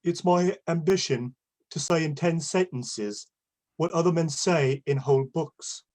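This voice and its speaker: A man playing a laconic, deadpan philosophical type who speaks tersely in a play reading. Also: on the high side, a little slow, natural voice. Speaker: actor in a staged reading.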